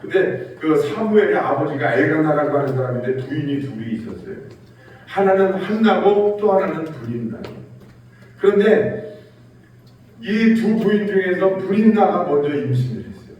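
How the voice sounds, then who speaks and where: A man's voice: fairly high pitch, big pitch swings, moderate pace, darkish tone, lo-fi sound. A male pastor giving a Sunday sermon in a church sanctuary, telling stories and acting out quotes with rising and falling emphasis. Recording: echoey church hall, distant mic.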